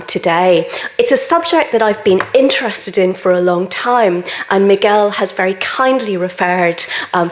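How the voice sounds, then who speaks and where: Woman giving a measured lecture. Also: mid-range voice. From Northern Ireland. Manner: measured, with frequent ums and repeated "very, very". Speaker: gallery director giving a lecture. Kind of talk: public lecture.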